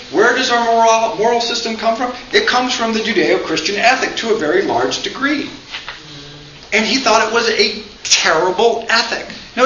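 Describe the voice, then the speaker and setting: Male lecturer, high and bright, wisecracking delivery, echoey classroom recording. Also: a little hiss or hum. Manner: lively, joking, acts out quotes. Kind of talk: informal lecture. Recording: echoey room, dull lo-fi sound.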